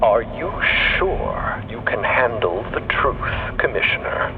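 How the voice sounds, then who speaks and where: An actor playing a sly, sardonic male starship crewman in an audio drama, measured and mock-deferential, with dramatic pauses. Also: medium pitch, lively intonation. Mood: coolly defiant. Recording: tinny narrow-band sound under music.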